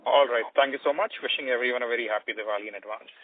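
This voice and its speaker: A male analyst with an Indian accent puts questions to company management at a quick pace. The sound is dry and narrow, like a phone line. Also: medium pitch, dry recording. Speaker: analyst caller. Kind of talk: asking questions on an earnings call.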